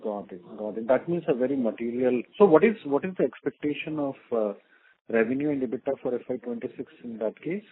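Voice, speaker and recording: The voice comes down a thin telephone line with very little body. It is a man with an Indian accent and a medium pitch. He questions like an analyst on a conference call, halting and feeling his way through each phrase. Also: animated. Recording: thin narrow phone line.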